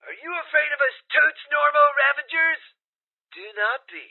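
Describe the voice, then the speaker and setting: A man's voice: very high voice, moderate pace. An actor playing a defensive, weird gang bro who insists he is normal, on a tinny radio advert in an audio drama. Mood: defensive, pushy. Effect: tinny radio filter. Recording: tinny narrow-band phone-like radio sound.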